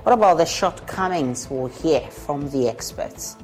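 A Ghanaian woman reads the news in a measured, formal tone. Her voice sits low for a woman. Faint music plays beneath her. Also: animated, darkish tone. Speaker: news anchor. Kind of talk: scripted news reading.

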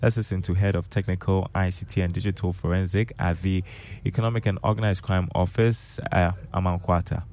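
A man's voice: deep voice, fairly even intonation, fairly quick. A man with a Ghanaian accent presenting a business news bulletin on the radio.

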